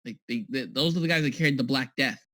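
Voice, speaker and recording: A man's voice: mid-range voice, fast talker, pushed and bright, no echo. Rambling joking man on a dry call. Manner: rambling, joking, often restarts and apologizes. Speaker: podcast co-host. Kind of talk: casual podcast chat.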